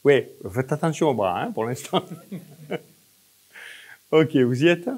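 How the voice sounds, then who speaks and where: A man leading a hypnosis session, giving short, repetitive, coaxing instructions with pauses between phrases. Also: mid-range voice, expressive, darkish tone. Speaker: hypnosis practitioner leading a demonstration.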